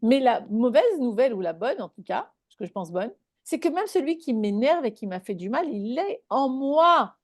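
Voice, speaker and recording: Woman teaching in a higher, dry voice. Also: very animated, normal speed, dry recording. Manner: warm conversational teaching, checks in with listeners. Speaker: spiritual talk host. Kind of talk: live online group talk.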